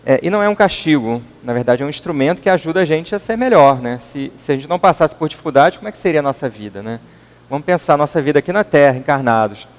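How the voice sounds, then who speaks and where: A man's voice: fairly high pitch, animated, fast. A man with a Brazilian accent giving an informal public talk at a spiritist center, speaking conversationally and often tagging his sentences with a questioning "right?". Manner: conversational, keeps adding questioning tags. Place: meeting hall. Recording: long reverb in a hall.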